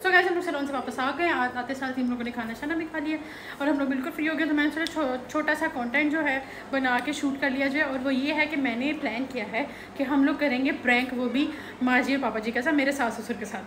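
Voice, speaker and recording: A young woman vlogging at home, talking excitedly to camera. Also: sits high, a little fast, reverberant, a little hiss or hum. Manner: excited, talks straight to camera. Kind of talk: casual vlog chat. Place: at home indoors.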